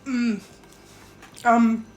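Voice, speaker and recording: A woman's voice: a little high, level tone, drawn-out words, slight background noise. A woman chats casually and bluntly while eating, talking with her mouth full of snack food. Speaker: vlogger.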